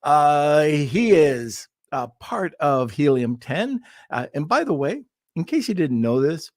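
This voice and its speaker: A man's voice: fairly high pitch, very animated, takes it slowly, no room sound, studio quality. A man hosting a live podcast over a video call, chatting casually, rambling and laughing at himself. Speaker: podcast host. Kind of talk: casual live-stream chat.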